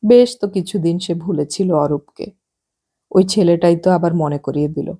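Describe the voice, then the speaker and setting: A woman narrating a novel as an audiobook in calm, even storytelling. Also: lowish voice, moderate pace, slightly rough.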